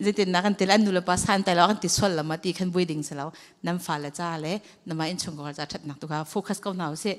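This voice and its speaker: Lady running a church training, kinda low voice, chatty, long hall echo. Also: very fast, few pauses.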